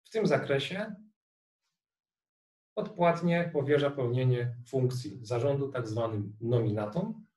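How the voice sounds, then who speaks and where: A middle-aged man giving a recorded online lecture on tax law, explaining a worked example step by step in a measured way. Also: mid-range voice, a little mellow. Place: room indoors. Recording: roomy, distant webcam sound.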